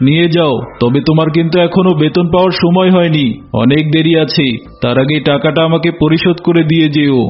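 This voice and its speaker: A man's voice: on the high side, steady tone, brisk, lightly acted. A man voicing an earnest, trusting elephant who leads the forest in a cartoon, speaking in a dignified, plain manner. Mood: kindly concern. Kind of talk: cartoon voice acting. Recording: muffled audio with music bed.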